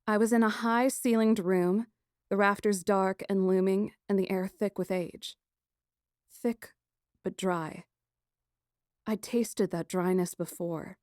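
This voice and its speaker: A woman narrates scripted fantasy fiction in the first person. Her delivery is dramatic and expressive, with a mid-range pitch. The sound is dry, free of room echo. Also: slow pace, long pauses. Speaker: audiobook narrator.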